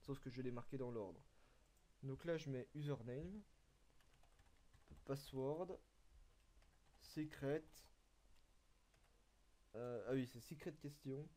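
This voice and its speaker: A young man explaining a coding tutorial step by step, halting and filling pauses with hesitations as he types. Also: medium pitch, warm tone. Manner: halting, full of "euh" and "donc", talks while typing. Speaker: tutorial maker. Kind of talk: screen-recorded coding tutorial.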